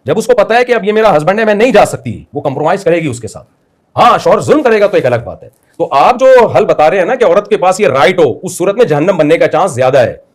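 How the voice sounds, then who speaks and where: A man, a religious scholar answering interview questions in a fast, assertive, explaining way. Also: high voice, very animated.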